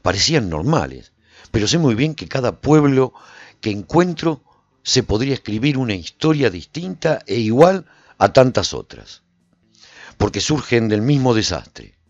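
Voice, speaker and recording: A man playing a solitary, reflective survivor who recounts his travels in measured, theatrical radio drama narration. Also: mid-range voice, big pitch swings, darkish tone, no echo, lo-fi sound. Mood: observant, reflective. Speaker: narrator and lead actor of a radio serial.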